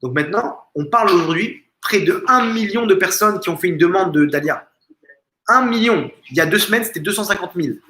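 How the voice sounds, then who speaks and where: Rabbi, male, somewhat high voice, emphatic lecturing with restarts, roomy home recording. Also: animated, fairly quick, pushed and bright, slight background noise. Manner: emphatic, fond of rhetorical questions and repeated phrases; frequent restarts and stumbles. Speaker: rabbi giving a lesson. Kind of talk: informal religious lesson. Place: family home. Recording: echoey room.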